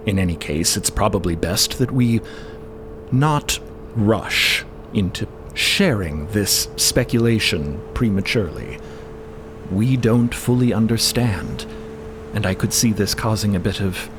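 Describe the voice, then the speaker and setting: A man playing a hesitant, measured scientist crewman in an audio fiction show, phrasing things carefully and haltingly. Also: lowish voice, background noise.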